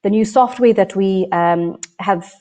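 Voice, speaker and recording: South african woman going through company numbers, calm and businesslike, bit of um and uh. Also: medium pitch. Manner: measured, businesslike, some fillers. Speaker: chief financial officer. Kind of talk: presenting financial results.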